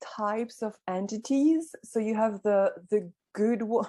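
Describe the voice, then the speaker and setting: Over a quiet background, a woman speaks at a very slow pace in a dark, mellow tone. Her pitch is fairly high, with ordinary variation. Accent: French. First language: French. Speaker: shaman and medium. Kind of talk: interview.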